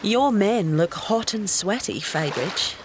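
A woman's voice: medium pitch, animated, slow pace, noisy background. A woman playing a cool, cocky female mercenary, wry, teasing and self-assured, in an action-adventure drama. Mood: cocky threat. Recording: loud music behind the voice. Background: loud music.

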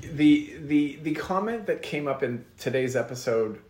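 A man's voice: on the high side, animated, unhurried, a little mellow, roomy sound, a little hiss or hum. A man co-hosting a podcast in casual chat, frank and swearing with many restarts. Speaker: podcast co-host.

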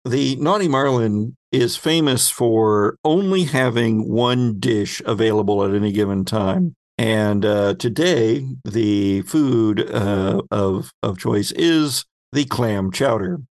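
Male game master, creaky voice recorded close and dry, conversational and wry. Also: lowish voice, takes it slowly, few pauses, darkish tone, dry recording. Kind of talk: narrating a tabletop roleplaying game.

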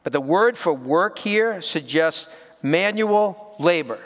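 A man's voice: on the high side, animated, takes it slowly, a bit bright, long reverb tail. A man preaching a sermon as pastor, earnest and direct, putting rhetorical questions to his congregation.

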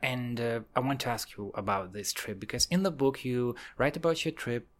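A man's voice: medium pitch, normal speed. Hesitant male podcast interviewer. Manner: hesitant, restarting questions.

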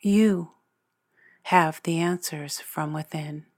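Female meditation narrator, unhurried and measured, slightly low register, leaving long pauses between phrases. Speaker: meditation guide.

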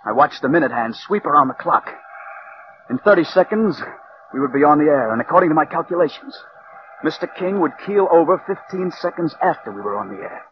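An actor playing a calm, scheming writer who narrates his own murder plot in a 1940s radio drama. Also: on the high side, a little hiss or hum, natural voice. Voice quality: measured, cool narration. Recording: dull old radio broadcast recording.

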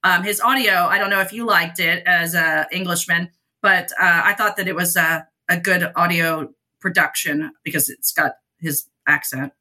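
A woman's voice: lowish voice, moderate pace, sharp tone. A woman guest author chatting casually on a podcast, talkative and self-deprecating.

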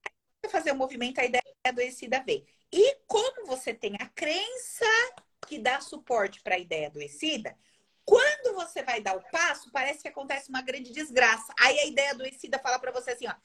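A woman's voice: high voice, very animated, a little fast, a bit bright. A woman mentor addressing her viewers in an emphatic coaching talk, acting out inner thoughts as she explains. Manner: emphatic, acts out inner voices. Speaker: mentor and host.

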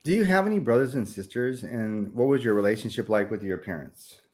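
A man's voice: fairly low pitch, expressive, fairly quick, darkish tone. A man hosting a podcast, asking earnest interview questions with some hesitant restarts. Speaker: podcast host.

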